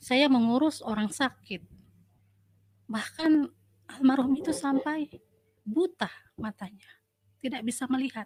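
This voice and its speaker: A woman with a Sumatran accent speaks at high pitch with ordinary variation. Her pace is fairly slow with long, frequent pauses, in dry, close sound with no echo. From North Sumatra, Indonesia (Asahan, Medan). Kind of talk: testimony.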